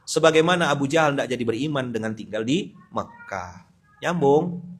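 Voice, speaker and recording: A man in his forties, a preacher from West Kalimantan with a Sambas Malay-tinged accent, giving a casual live sermon that swings from loud indignant bursts to low asides. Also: moderate pace, breathy edge. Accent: Sambas Malay-tinged Indonesian. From West Kalimantan, Indonesia. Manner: animated, bursts into loud indignant outbursts then drops low.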